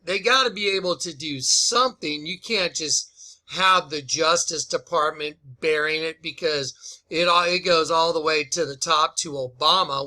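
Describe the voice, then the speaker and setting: Forceful, high-pitched man, emphatic American commentator. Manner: emphatic, urgent, folksy, commanding. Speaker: online commentator. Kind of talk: impassioned commentary on a played clip.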